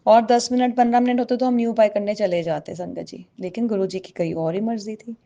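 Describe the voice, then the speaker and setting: A woman's voice: mid-range voice, fairly even intonation, brisk, highs cut off, noisy background. A woman tells a personal devotional testimony to a congregation, earnestly and often addressing her listeners directly.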